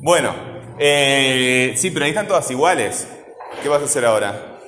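A man's voice: medium pitch, expressive, normal speed, bright, forceful tone. Male teacher, questioning classroom manner; roomy, slightly noisy room sound. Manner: questioning, coaxing students with repeated checks. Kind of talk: classroom grammar lesson. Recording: roomy classroom echo, faint ambient noise.

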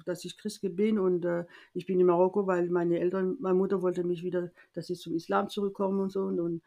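A woman from France, interviewed, tells a personal story in a lively way, acting out the voices of the people she quotes and often restarting her sentences. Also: on the low side, a little fast.

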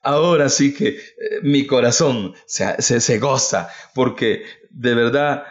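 A man's voice: mid-range voice, slow. A man, a Catholic lay preacher, gives a fervent livestreamed devotional talk, calling listeners brother and repeating rhetorical questions. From El Salvador. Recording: dull lo-fi recording.

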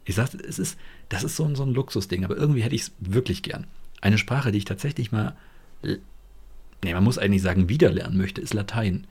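A man in casual chat, relaxed and laughing as he tells stories. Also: lowish voice, a little fast, slightly rough.

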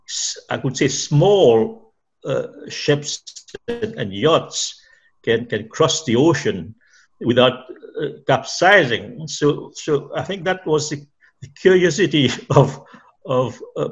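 A man's voice: medium pitch, lo-fi sound. A middle-aged or older man from Mauritius with a Mauritian accent mixed with Canadian, telling his story in conversation as an interview guest, often repeating words as he searches for phrases.

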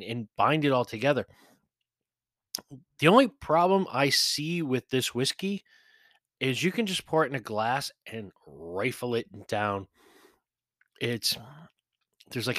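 A man's voice: mid-range voice, a bit bright, dry recording, clean studio sound. A man hosting a podcast, giving a blunt, chatty whiskey review with profane, mocking asides. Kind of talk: casual spoken review.

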